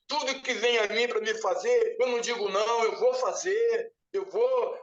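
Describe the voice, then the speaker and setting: With an extremely high, fairly bright voice and fairly even intonation at normal speed, a pastor weeps and pleads as he retells a vision during an emotional testimony in church. The recording is muffled, made from a distance in an echoey room.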